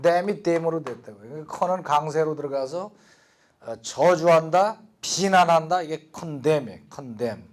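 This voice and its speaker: High-voiced older man teaching English. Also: slow pace. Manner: lively, jokey, repeats words for drill. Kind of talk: Bible-based English speaking lesson.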